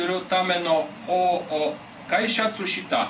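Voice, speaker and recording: A man speaks with a Bulgarian accent. Audible room echo and light background noise are present. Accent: Bulgarian-accented Japanese. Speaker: professor. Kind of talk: lecture. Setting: stage with audience. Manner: formal. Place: classroom. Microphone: camera far.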